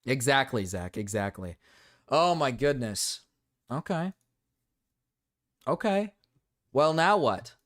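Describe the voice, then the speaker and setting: A man's voice: medium pitch, very animated, takes it slowly, long pauses, fairly bright tone. A man livestreaming in a casual, joking chat with viewers, often repeating his own phrases.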